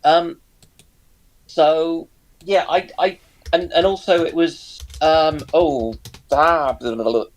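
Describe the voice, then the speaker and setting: A man's voice: a little high, fairly even intonation, slow, long pauses, low-quality recording. A man chatting casually about history in a hesitant, informal way, feeling his way through each sentence.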